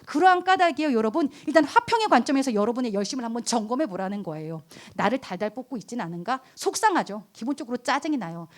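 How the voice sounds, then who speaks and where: A woman in her thirties preaching to high school students as their youth pastor, asking them questions and acting out quoted voices. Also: fast, few pauses. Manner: animated, acts out quoted voices, asks the listeners questions.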